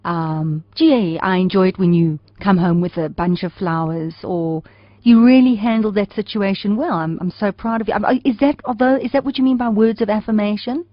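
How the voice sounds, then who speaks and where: A woman's voice: medium pitch, normal speed, no room sound, lo-fi sound. South African woman host asking questions. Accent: South African English. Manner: hesitant, repeats words when asking questions. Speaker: radio interview host. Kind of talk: interview questions.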